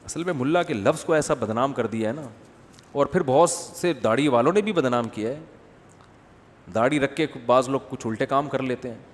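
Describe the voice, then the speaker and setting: A man giving a humorous religious talk, telling stories with comic impressions and answering questions read out from the audience. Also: medium pitch. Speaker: Islamic scholar answering questions. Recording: long hall reverb.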